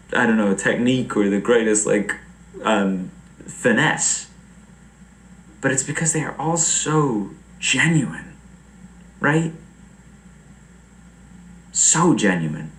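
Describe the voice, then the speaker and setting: A young man chatting casually on a livestream, rambling and animated, laughing often. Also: medium pitch, takes it slowly, pauses often, roomy sound, low-quality recording. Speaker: streamer.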